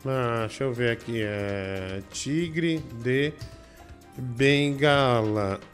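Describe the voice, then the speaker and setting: A man's voice: mid-range voice, drawn-out words, faint music behind. A man hosting a live stream in casual chat, rambling and tagging his talk with "né?" while he shows things to the camera. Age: adult with a daughter. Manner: rambling, full of "né?" and "ó" tags.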